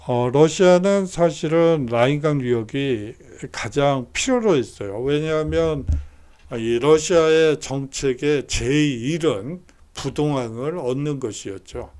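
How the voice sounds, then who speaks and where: Slow, measured male history lecturer. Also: medium pitch, warm tone. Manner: measured, explanatory, frequent hesitation fillers. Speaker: university lecturer.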